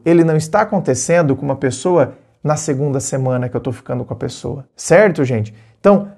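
Animated Brazilian man giving love advice. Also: on the high side. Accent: Brazilian Portuguese. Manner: animated, talks directly to viewers, acts out short dialogues. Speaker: relationship advice coach. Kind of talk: casual advice monologue to viewers.

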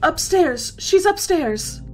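A woman playing a hysterical young college girl in a radio horror drama, gasping out halting, repeated pleas for help. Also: very high-pitched, animated, faint music behind, heavily acted. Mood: panicked. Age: young adult. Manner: frantic, gasping, halting and repetitive. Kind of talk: amateur radio horror acting. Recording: noisy home-recorded radio drama.

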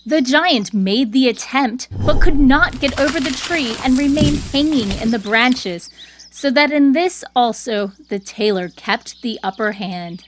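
A woman's voice: high voice, animated, unhurried, slight background noise. A woman storyteller reading scripted fairy-tale narration.

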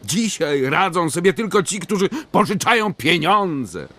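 A man playing a kindly, flustered farmer in an animated story, muttering and hesitant. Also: high-pitched, a little slow, exaggerated voice. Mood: reluctant.

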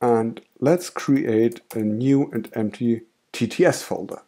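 A native German speaker with a German accent hosts a screen-recorded software tutorial, calmly walking through the steps one by one. His voice is mid-range and he speaks slowly.

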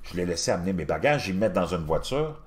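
A man in his fifties with a Québécois accent, telling a personal story in a casual, animated way and talking straight to the listener. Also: sits low, fast talker. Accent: Québécois French. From Quebec. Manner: animated, addresses the listener directly.

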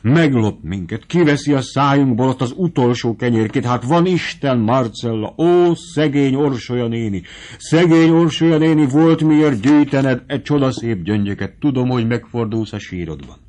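A man voicing an agitated, pompous middle-aged captain's wife, speaking in a shrill, dramatic way. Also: a little mellow, lightly acted. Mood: alarmed, lamenting.

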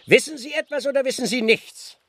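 An actor playing a stern, impatient village constable in a radio play, officious and brusque, with speech. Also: male voice, very high voice, brisk, a bit bright, slightly rough, no room sound, full character voice. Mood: pressing. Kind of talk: German radio play acting.

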